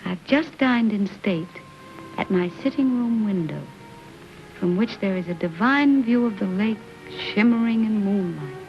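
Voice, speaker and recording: A woman's voice: medium pitch, animated, measured pace. A tender lovesick young woman. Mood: tender longing. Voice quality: soft, tender, wistful. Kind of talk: 1930s film acting. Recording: muffled old film soundtrack with faint music.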